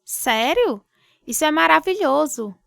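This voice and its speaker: A devout wife, higher-pitched. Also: female voice, big pitch swings, a little slow, vocal fry, fairly bright tone, no echo, clean studio sound, full character voice. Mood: encouraging, interested. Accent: Brazilian. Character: devout, encouraging wife of a teacher. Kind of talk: radio drama acting.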